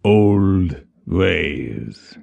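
A man voicing a towering ancient male serpent god, speaking calmly with quiet menace in an audiobook. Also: vocal fry, dull audio, full character voice. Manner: calm, rumbling, drawn-out. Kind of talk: audiobook character voice.

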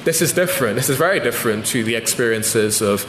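A man's voice: medium pitch, expressive, quick pace, a bit bright. A man, the guest author, giving a thoughtful public talk with frequent restarts and ums. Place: lecture hall. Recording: echoey hall with faint noise.

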